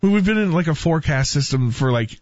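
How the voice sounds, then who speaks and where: A man's voice: a little high, expressive, fast talker, a little mellow, dry recording. A man on a casual talk show, speaking hesitantly and thinking his points through aloud. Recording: dull lo-fi sound.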